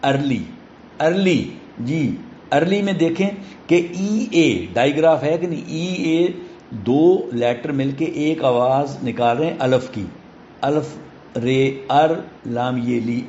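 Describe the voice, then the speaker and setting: A man with a Pakistani accent teaching a phonics lesson, patiently explaining and reading English sentences slowly, word by word. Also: medium pitch, darkish tone, a little hiss or hum. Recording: roomy, dull lo-fi classroom recording.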